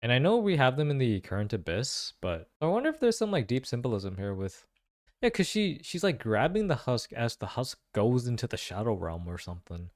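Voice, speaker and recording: A man's voice: mid-range voice, sing-song, fairly quick. A man giving casual game reaction and analysis commentary, musing aloud with lots of questions and informal slang. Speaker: reaction video host.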